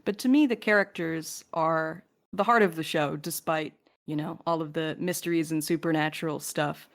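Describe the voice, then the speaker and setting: Lower-pitched woman chatting on a podcast. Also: normal speed. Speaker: podcast co-host and writer. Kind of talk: casual podcast Q&A chat.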